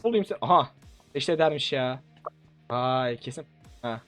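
A man's voice: medium pitch, lively intonation, moderate pace, faint music behind. A young man giving playful, teasing commentary on a shooter game match for his channel. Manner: playful, teasing, bursts of laughing shouts. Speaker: gaming YouTuber. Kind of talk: excited gameplay commentary.

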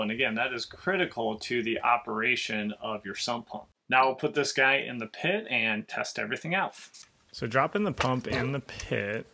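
A man in his thirties walks through a home repair job step by step, in a clear and practical way. His voice is bright and forceful, sitting at an ordinary pitch for a man. He is recorded close to the camera in a basement. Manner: clear, methodical, practical explaining. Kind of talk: step-by-step how-to explanation. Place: basement with concrete walls.

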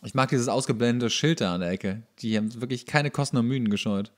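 A man's voice: mid-range voice, fast talker. A man giving casual, sarcastic running commentary on a show as he watches it, as a podcast host.

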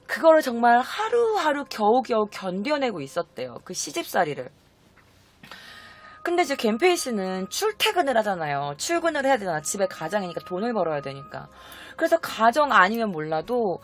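A woman telling a strange true story in a chatty, dramatic way, often asking the listener questions. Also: fairly high pitch. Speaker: storytelling host. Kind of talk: casual storytelling vlog.

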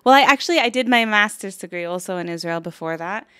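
A woman's voice: mid-range voice, lively intonation, fast, sharp tone, clear, resonant tone. An American woman in her thirties, an interview guest casually telling personal stories. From Los Angeles, United States. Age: 30s. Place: small home-style studio, indoors. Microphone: close handheld microphone.

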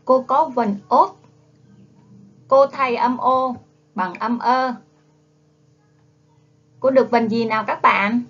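A woman's voice: fairly high pitch, takes it slowly, long pauses, a bit bright. A woman teaching young children to read, in a coaxing phonics lesson that urges them to repeat after her, with a Southern Vietnamese accent. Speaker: primary school teacher. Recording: dull lo-fi classroom video audio.

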